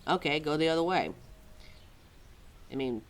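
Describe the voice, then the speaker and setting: An exasperated female keeper of forgotten lore, acted out by a woman in an audio roleplay. She is chatty and sarcastic, with a very lively pitch that swings as she mimics other people and sets the listener straight. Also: normal speed. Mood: wry, casual. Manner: sarcastic, chatty, heavy sighs and mimicked quotes.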